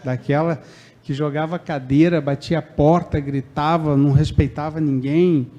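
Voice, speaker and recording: Brazilian male lecturer in his thirties, conversational sermon style, slightly high, mellow tone. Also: steady tone, moderate pace, muffled recording. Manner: conversational, acts out quoted lines, frequent "né?" tags. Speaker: spiritist lecturer. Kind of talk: public talk on forgiveness. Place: spiritist centre lecture hall.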